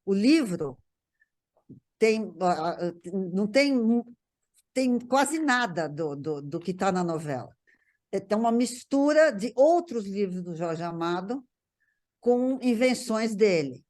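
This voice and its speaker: A woman's voice: medium pitch, expressive, slow, darkish tone. A Brazilian woman speaking casually as a panel guest, recalling a writer's work and often repeating words as she searches for phrasing. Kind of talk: casual conversational recollection.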